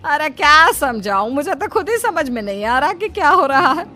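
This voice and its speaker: A woman's voice: sits high, very animated, normal speed, pushed and bright, heavily acted. A woman voicing a scheming, jealous middle-aged mother-in-law in a cartoon story, scolding and mocking. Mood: complaining.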